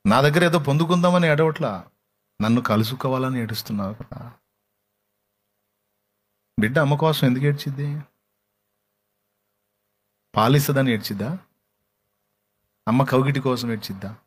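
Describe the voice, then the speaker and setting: A man preaching a sermon with passion, moving between hushed, tender speech and heartfelt pleading, with a Telugu accent. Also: mid-range voice, moderate pace, pauses often, slightly rough. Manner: impassioned preaching that breaks into song, soft and hushed at times. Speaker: pastor. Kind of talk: sermon with sung worship.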